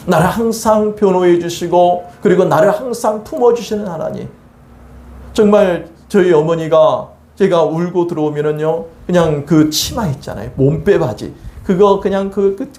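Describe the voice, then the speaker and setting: A middle-aged man preaching a sermon as pastor, telling stories and swinging between soft, slow lines and emphatic ones. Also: sits high. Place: church sanctuary. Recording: echoey church sanctuary.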